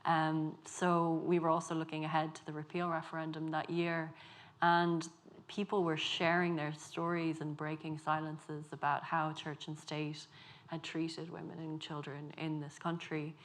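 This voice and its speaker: A Dublin woman in her thirties speaks on a festival panel. Her voice sits low and stays flat, with little rise and fall. She tells her account in a measured, reflective way. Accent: Dublin Irish. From Ireland. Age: 30s. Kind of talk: panel discussion.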